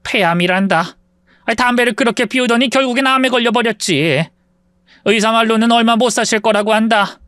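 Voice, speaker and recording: A man voicing an elderly mother-in-law who speaks in a low, weary, plain-spoken way. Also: brisk, pushed and bright, smooth, no echo, studio quality. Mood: grave.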